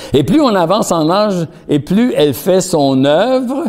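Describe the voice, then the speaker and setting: Very slow male speech with very wide pitch swings amid noticeable background noise. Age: 70s. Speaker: preacher. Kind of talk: sermon. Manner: halting, self-correcting.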